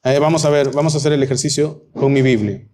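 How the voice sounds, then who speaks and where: A man's voice: medium pitch, fast talker, darkish tone, a little hiss or hum. A man preaching a Bible-teaching sermon, emphatic and full of rhetorical questions.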